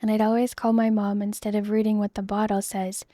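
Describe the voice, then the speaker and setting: A woman in her thirties, chatting casually in a soft, rambling way while she draws on stream. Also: medium pitch, flat delivery, fairly quick, no echo, clean studio sound. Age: 30s. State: losing her voice. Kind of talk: casual chat while drawing.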